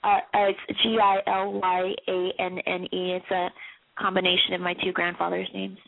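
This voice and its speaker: A woman caller speaks on a thin telephone line with a husky voice that breaks into creak. She is polite and hesitant, chatting casually at a middling pitch. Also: monotone, moderate pace, no room sound. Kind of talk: casual phone conversation.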